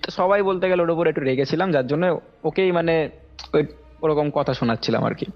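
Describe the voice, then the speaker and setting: A little high and a little fast, a young man's voice comes through a call as he casually recounts something he went through. He rambles and circles back, animatedly performing the quotes, over music in a dull lo-fi recording.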